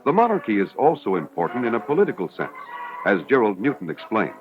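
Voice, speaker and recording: A man reading scripted narration for an educational film in a measured, formal, explanatory way. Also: fairly low pitch, big pitch swings, music in the background. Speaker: documentary narrator. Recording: dull, hissy 1970s educational film soundtrack.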